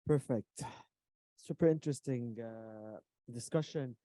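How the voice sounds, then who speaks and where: A man's voice: mid-range voice, measured pace, warm tone, no echo. A man moderating a talk, asking questions with a few stumbles and restarts. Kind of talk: interview questions.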